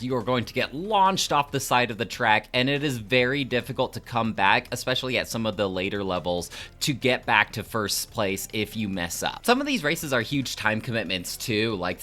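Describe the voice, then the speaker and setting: A man's voice: fairly low pitch, pushed and bright. A man giving a casual, conversational video game review with frequent fillers.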